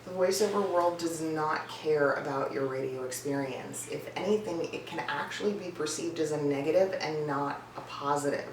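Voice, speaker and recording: A voice-over coach and casting professional with a slightly low voice speaks directly to camera, listing tips in a blunt, emphatic, conversational way at normal speed with few pauses. She's in an indoor room with a cat nearby, and the distant mic picks up clear echo and faint background noise.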